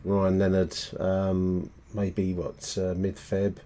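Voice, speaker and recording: Low, mellow-voiced male podcast host. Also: completely flat delivery, a little hiss or hum. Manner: halting, self-correcting, matey, tag questions. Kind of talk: casual fan podcast commentary on voicemails.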